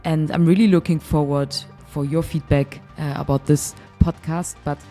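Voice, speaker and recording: A woman's voice: deep voice, fairly even intonation, moderate pace, dark tone, faint music behind. A woman from Germany hosting a casual podcast interview over a call, chatty and laughing easily. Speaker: podcast host. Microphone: remote call.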